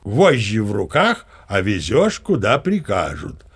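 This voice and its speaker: A man's voice: fairly low pitch, huge pitch swings, measured pace, husky, full character voice. An actor playing a boastful old sea captain who narrates his tall tales with chatty, old-fashioned courtesy. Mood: storytelling. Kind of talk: audio play narration.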